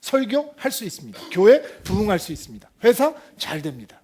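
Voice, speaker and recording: A man's voice: sits high, big pitch swings, brisk, darkish tone, slight background noise. A male pastor preaching a sermon, asking the congregation pointed rhetorical questions with emphatic delivery.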